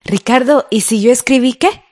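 A woman's voice: fairly high pitch, moderate pace, no room sound. Dry-sounding woman radio teacher. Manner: friendly, guiding, asks the listener to follow along. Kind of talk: scripted radio lesson.

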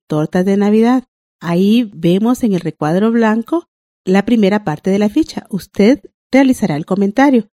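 A woman teaching a language lesson on a broadcast, reading out rules and examples in a clear, deliberate way. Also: mid-range voice, mellow, no room sound, clean studio sound.

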